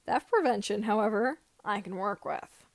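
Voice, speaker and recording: A woman's voice: medium pitch, lively intonation, moderate pace, creaky, no room sound. A woman voicing a confident, scrappy teenage boy mechanic explaining things informally in a storybook reading. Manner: informal, explanatory video-blogger talk.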